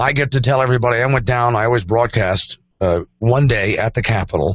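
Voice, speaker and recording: At a fairly quick pace, a man with a somewhat breathy, medium-pitched voice keeps very even loudness and ordinary pitch variation. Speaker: radio talk show host. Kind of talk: talk radio with caller.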